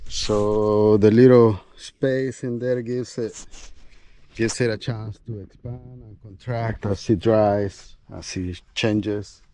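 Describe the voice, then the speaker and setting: A man's voice: on the low side, steady tone, slow pace, warm tone. A man talking casually to viewers while he works outdoors, thinking aloud in short, trailing phrases. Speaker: outdoor bushcraft video host. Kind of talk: casual talk while working. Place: outdoors at a building site.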